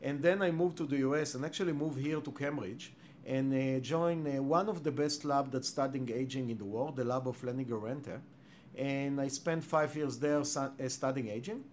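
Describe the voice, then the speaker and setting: Israeli-accented man, halting with fillers. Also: medium pitch, fairly even intonation, slight background noise. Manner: halting, many "uh" fillers, non-native grammar. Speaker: company founder and chief science officer. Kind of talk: interview answers.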